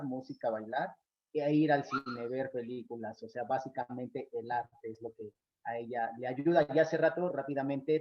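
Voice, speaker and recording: A man with a Mexican accent hosting an online class interview, talking in a halting way with many fillers. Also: mid-range voice. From Mexico City. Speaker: class host. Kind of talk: bilingual class chat. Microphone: video call. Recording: muffled online call audio.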